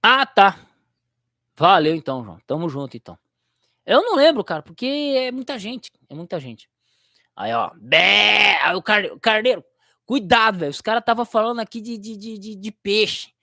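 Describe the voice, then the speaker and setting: A man's voice: high voice, very animated, fairly quick, sharp tone, no room sound, clean studio sound. A young Brazilian man who teaches theology, chatting casually on his livestream in a rambling, slangy way and laughing easily.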